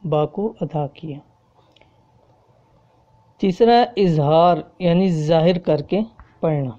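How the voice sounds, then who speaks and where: A low-pitched, mellow woman's voice, muffled by the recording, leads a lesson explaining tajweed. She teaches Quran recitation rules with patience, going back over every point and asking "okay?" to confirm her students follow, while reciting Arabic examples in a slow, drawn-out way.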